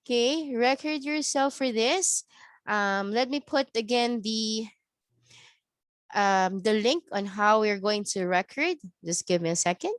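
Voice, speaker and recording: A woman language trainer giving an online lesson, reading aloud and instructing in a careful, deliberate manner. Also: a little high, animated, clean tone, no room sound. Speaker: call center language trainer.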